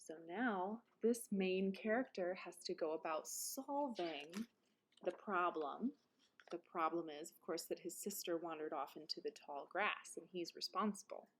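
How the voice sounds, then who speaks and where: A woman reading a children's picture book aloud like a teacher, with dramatic emphasis and quieter explanatory asides. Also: lowish voice, unhurried, a little hiss or hum. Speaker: read-aloud presenter, teacher. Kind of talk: expressive children's storybook narration with explanatory asides.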